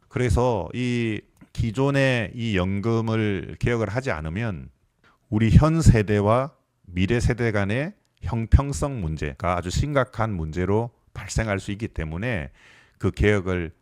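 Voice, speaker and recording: A man's voice: on the low side, a little mellow, no echo, clean studio sound. A man in his fifties giving a live explanatory lecture, putting questions to his listeners. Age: 50s. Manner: explanatory, asks the audience questions. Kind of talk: live lecture on pension reform.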